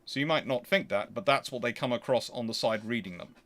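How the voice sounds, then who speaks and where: A male host talks through answers to viewer questions in a mid-pitched voice. His delivery is conversational and unscripted, arguing each point with emphasis. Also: a little fast, fairly bright tone. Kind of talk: casual livestream question-and-answer commentary.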